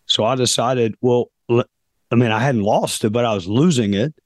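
Hoarse guy doing his podcast, slow and thoughtful, lots of uhs, medium pitch, dry sound. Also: dry recording. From South Carolina, US. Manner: deliberate, pausing often with fillers. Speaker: podcast host. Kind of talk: reflective podcast monologue.

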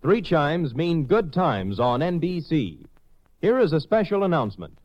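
A man announcing from a script in a formal, measured 1950s radio style, on a dull old recording. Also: a little high, big pitch swings, faint music behind.

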